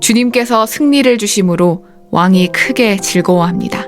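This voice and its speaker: Over background music, a woman talks at a very slow pace in a calm, soothing tone with lively intonation. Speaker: announcer. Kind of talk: scripture reading.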